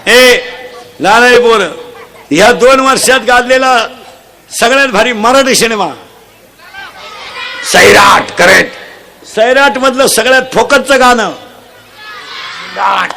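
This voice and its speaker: A man preaching a humorous devotional sermon, loudly quizzing the children in the crowd and mocking bad habits. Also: very high voice, slow pace, vocal fry, pauses often, a little hiss or hum. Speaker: kirtan preacher.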